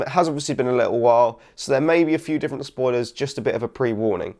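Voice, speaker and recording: Slightly raspy young man, rambling. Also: medium pitch, a little mellow. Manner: rambling, many ums and sort ofs. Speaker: film reviewer. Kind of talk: casual vlog review.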